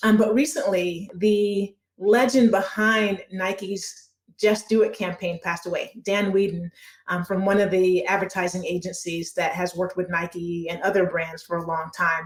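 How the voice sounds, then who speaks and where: A woman is talking at a moderate pace. She has an ordinary speaking voice. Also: medium pitch for a woman, fairly even intonation. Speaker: podcast host. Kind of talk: podcast interview.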